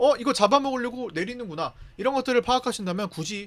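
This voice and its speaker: A man at a fairly quick pace. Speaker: stock market commentator. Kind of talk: market review broadcast. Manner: fast.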